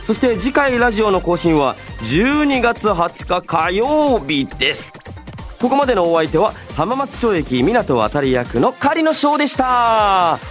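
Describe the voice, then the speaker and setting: Over background music, a man with a high, slightly slow voice hosts a radio show. His delivery is animated, playful and polite as he shifts between banter and announcements.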